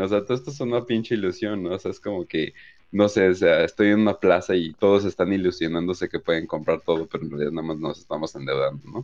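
A man at a fairly low pitch and a very fast pace against a quiet background. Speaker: podcast co-host. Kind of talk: casual chat. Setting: live stream.

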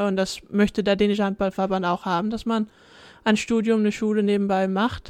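A woman talks at a medium pitch with monotone, flat intonation on a very clean recording with a silent background. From Denmark, southern Jutland. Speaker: professional handball player. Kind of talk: casual interview.

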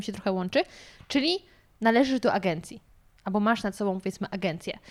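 The recording is very clean with a silent background, carrying a woman's lively intonation. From Lower Silesia, Poland (Gryfów). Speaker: podcast host. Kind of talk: casual interview chat.

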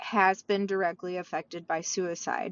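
A woman speaks at a medium pitch. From Mexico, raised in Florida from age 9. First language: Spanish. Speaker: podcast host, bereaved parent and suicide-prevention advocate. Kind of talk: solo podcast monologue. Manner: casual, with frequent fillers (um, like, you know).

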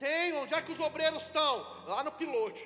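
A man's raised, projected voice at an extremely high pitch, with ordinary pitch variation. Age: 30s. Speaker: pastor. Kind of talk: sermon. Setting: church. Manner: impassioned.

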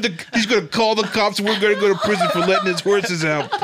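Noticeable background noise surrounds a man speaking in a high pitch. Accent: American. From rural North Carolina. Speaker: TV writer and podcast producer. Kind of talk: casual chat.

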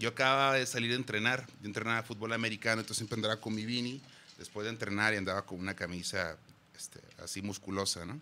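A man talks at a very fast pace with a bright, sharp tone. His intonation is fairly even. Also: fairly low pitch for a man. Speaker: singer and musician. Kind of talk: casual chat.

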